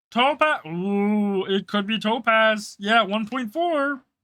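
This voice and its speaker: A put-on character voice, female-sounding and fairly high in pitch, moves at a fairly slow pace. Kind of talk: comic character impression. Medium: virtual streamer. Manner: chatty, thinking aloud.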